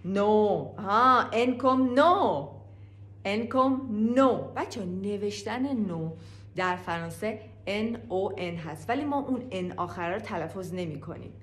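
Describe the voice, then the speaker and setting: A woman teaching a language lesson in a casual way, saying each word slowly and repeating it. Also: mid-range voice, lively intonation, reverberant. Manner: repeats words slowly and clearly. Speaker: French teacher.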